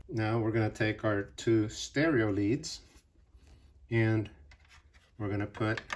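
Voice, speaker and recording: A man's voice: on the low side, background noise. A man presenting a casual hands-on tutorial on equipment, explaining things plainly, step by step. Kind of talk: casual hands-on gear demonstration.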